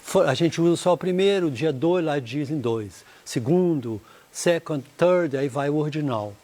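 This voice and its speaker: A man with a Brazilian Portuguese accent teaching English in a recorded lesson. He explains slowly and says the English words with care. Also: a little high, lively intonation, a little mellow.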